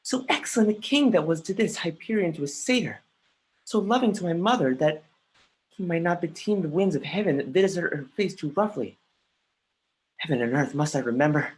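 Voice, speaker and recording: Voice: medium pitch, animated, brisk, natural voice, poor audio. An actor playing a grieving, bitter young prince in a livestreamed Shakespeare reading, with brooding, emphatic verse delivery. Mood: anguished, bitter.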